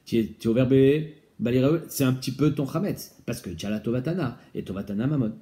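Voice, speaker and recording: A man teaching a casual Talmud study lesson, explaining with lively questions and mixing in Hebrew and Aramaic terms. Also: mid-range voice, quick pace.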